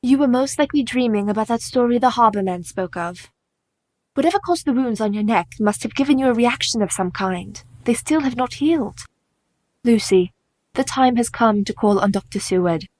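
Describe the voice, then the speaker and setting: An actress playing a caring, composed young woman who speaks in steady, formal period English in a radio play. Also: on the high side, moderate pace, no echo. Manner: steady, reassuring, formal speech.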